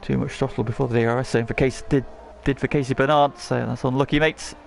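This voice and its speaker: A man's voice: mid-range voice, fairly even intonation, quick pace, creaky, slight background noise. A man working as lead motorsport commentator on a race, calling the action in short present-tense phrases.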